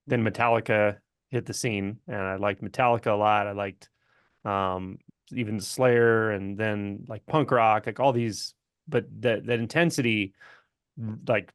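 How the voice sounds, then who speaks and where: A man hosting an interview in a conversational, relaxed style. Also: on the low side, clear, resonant tone, dry recording, clean studio sound. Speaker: channel host and interviewer.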